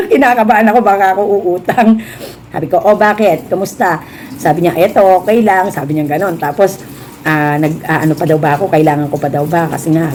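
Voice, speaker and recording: A Filipino woman vlogger who runs a small shop chats casually to camera in a deep, darkish voice, switching between Tagalog and English and often tacking on a questioning "no?". She sounds a bit unwell, and there is slight background noise.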